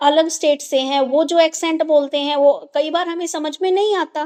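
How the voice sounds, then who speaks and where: A woman with a Haryanvi accent speaks at an extremely high pitch. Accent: Haryanvi tone in her speech. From Haryana, India. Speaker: teacher. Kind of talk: lecture. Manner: conversational, with frequent fillers.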